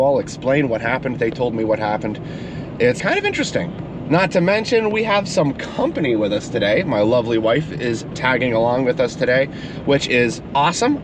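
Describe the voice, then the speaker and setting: A man's voice: mid-range voice, noisy background. A young man hosting a casual farm vlog, upbeat and chatty, sounding congested and nasal from a cold. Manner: upbeat, chatty, explains as he goes. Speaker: vlog host, stable manager. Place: in a truck and outdoors at a farm.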